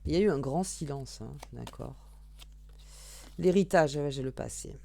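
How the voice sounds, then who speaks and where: A woman's voice: low-pitched, normal speed, creaky, mellow. A woman giving a casual, chatty card reading, thinking aloud with fillers and restarts while she draws cards. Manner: shuffling and drawing cards while talking. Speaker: tarot reader.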